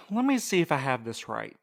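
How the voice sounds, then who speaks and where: A man's voice: mid-range voice, sing-song, unhurried, vocal fry, no echo. A man playing a wary night mail courier in an audio drama, dry and skeptical in manner. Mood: skeptical, irritated. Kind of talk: scripted audio drama dialogue.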